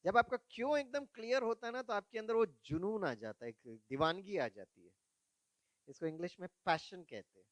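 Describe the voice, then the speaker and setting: A man's voice: high voice, animated, moderate pace, no room sound. A man giving a spiritual talk to young people, telling stories from his own life, asking the audience questions and mixing English words into Hindi. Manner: storytelling, asks the audience questions. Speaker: spiritual speaker.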